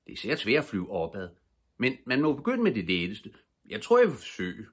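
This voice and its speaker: An older man reading aloud, voicing a cheeky, fearless little girl in a lively, bold and playful way. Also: lowish voice, husky, pitched above the performer's own voice, heavily acted. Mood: dreamy, daring. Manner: lively, bold, full of fun.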